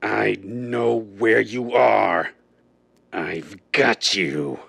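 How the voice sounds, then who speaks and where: A man playing a sinister, menacing gunman with a gravelly voice in a 1930s radio drama style. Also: on the low side, very slow, very noisy, exaggerated voice. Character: menacing male gunman villain hunting in darkness.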